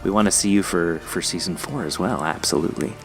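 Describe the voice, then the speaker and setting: Low-voiced man hosting a casual interview. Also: fast, faint music behind. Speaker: podcast host interviewing an author.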